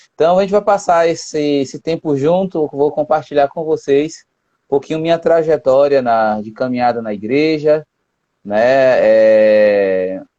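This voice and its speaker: Speaking at a fairly slow pace, a man with a fairly high pitch has a dark, mellow tone and lively intonation. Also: long, frequent pauses. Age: 40s. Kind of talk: testimony. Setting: Instagram live video call.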